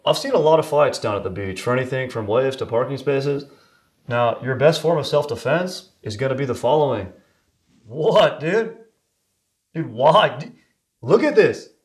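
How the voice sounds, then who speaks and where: A man's voice: mid-range voice, close to an everyday voice. A man doing a slacker surfer-dude cop. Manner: laid-back, drawling, says dude. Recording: roomy echo.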